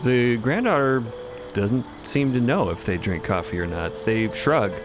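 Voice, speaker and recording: A male storyteller delivers scripted narration with theatrical, playful flourish. His pitch is medium for a man, and music plays clearly behind him. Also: animated, a little slow. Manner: playful, wordy.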